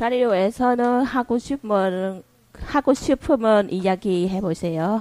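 A woman's fairly high voice in a Vietnamese accent, dark and mellow in tone, with ordinary pitch variation and a very slow pace. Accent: Vietnamese-accented Korean. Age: 30s. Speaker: migrant participant in radio workshop. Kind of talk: peer interview in halting Korean.

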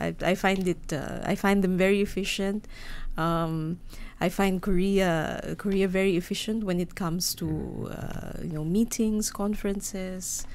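Monotone and flat, a woman with a Filipino accent speaks at a fairly slow pace in a medium pitch. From Philippines. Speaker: ambassador. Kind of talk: interview. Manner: halting with frequent fillers.

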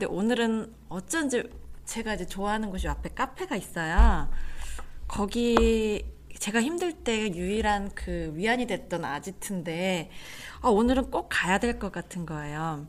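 With noticeable background noise behind her, a woman talks at a fairly slow pace, her medium-pitched voice carrying lively intonation. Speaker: librarian. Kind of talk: poetry reading discussion. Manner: nervous.

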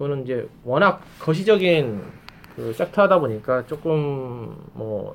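The male voice is pitched fairly high and carries lively intonation. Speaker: stock analyst guest. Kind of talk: casual chat. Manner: soft-spoken.

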